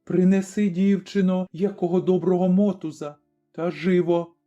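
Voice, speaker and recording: A man's voice: high-pitched, little pitch movement, moderate pace, mellow, highs cut off, faint music behind, lightly acted. A man playing a grim old Cossack father. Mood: gruff.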